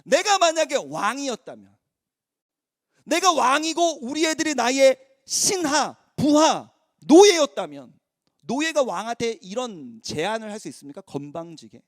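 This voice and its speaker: A man's voice: very high-pitched, big pitch swings, measured pace, dry recording, clean studio sound. A man in his thirties, a youth pastor giving a casual, chatty sermon to teenagers and acting out little quotes as he tells stories. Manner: chatty, storytelling, acts out quotes; informal speech mixed with polite forms.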